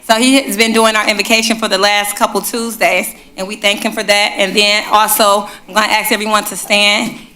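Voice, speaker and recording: A woman chairs a city council meeting, reading a proclamation at a desk microphone in the council chamber and chatting with the room in warm asides. Her medium-pitched voice moves briskly with little rise and fall.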